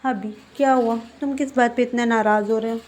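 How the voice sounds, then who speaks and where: A woman voicing a gentle, apologetic young man who pleads and protests in a fan-fiction story. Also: on the high side, steady tone, fairly quick, natural voice. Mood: coaxing.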